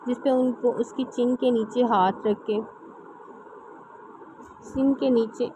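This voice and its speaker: A woman reading a romance novel aloud in steady storytelling narration. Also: on the high side, muffled recording, background noise. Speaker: novel reader.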